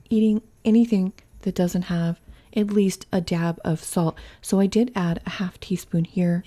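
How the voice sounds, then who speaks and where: Her voice is fairly low and mellow as she hosts a home cooking channel from her own kitchen. She talks casually through each step, thinking out loud.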